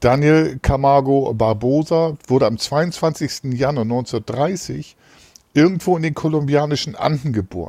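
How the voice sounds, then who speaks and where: A man's voice, dark and mellow in tone. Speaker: true crime podcast co-host. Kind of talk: casual chat and case narration. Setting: remote recording over a line. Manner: calm, soothing.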